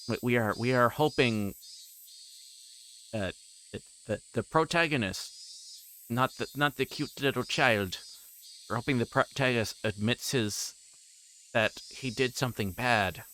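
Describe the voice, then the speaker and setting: A man hosting a livestream, chatting casually in a halting, rambling way and often repeating words as he plays a game. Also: mid-range voice, bright, forceful tone, slight background noise, rough recording. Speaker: livestream host. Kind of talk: casual livestream chat while playing a visual novel.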